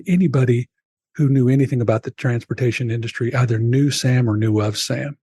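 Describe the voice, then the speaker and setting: An older man, around sixty, shares a personal story as a podcast guest. His voice is mellow and slightly raspy, recorded dry and close on the mic. He speaks earnestly and reflectively, turning to the host by name. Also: medium pitch, no room sound.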